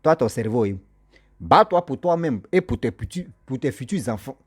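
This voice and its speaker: A man's voice: mid-range voice, lively intonation, moderate pace, slightly rough. A man lecturing his viewers in a monologue, scolding them and repeating his points as he addresses them directly. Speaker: social commentator. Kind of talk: moralizing monologue to camera.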